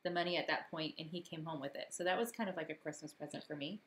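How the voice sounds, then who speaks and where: A woman's voice: deep voice, fast. Chatty woman with a fading voice. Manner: chatty, relaxed, laughs easily. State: losing her voice. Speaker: live stream co-host. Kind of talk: casual live-stream chat.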